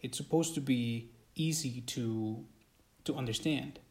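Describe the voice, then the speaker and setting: Male host, mellow tone, friendly and halting, echoey room. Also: medium pitch. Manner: friendly, hesitant with many fillers. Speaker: podcast host and English teacher. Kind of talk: casual interview chat.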